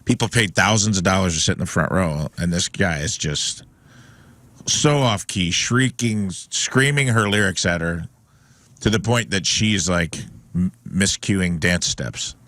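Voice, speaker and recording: Deep-voiced radio co-host, dry studio. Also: male voice, a little slow, a bit bright, no echo. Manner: storytelling, emphatic. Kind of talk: casual radio chat.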